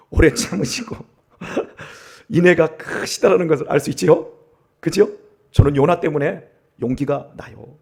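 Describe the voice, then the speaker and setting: A male pastor giving an early-morning sermon, emphatic, swinging between loud and hushed. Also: medium pitch, gravelly, breathy edge. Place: church.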